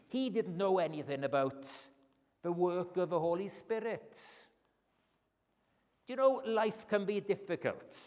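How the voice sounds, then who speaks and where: Slow Welsh preacher, echoing church. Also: male voice, sits high, a little mellow. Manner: earnest, emphatic, rising on key phrases. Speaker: guest preacher. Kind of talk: evening sermon. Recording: long church reverb.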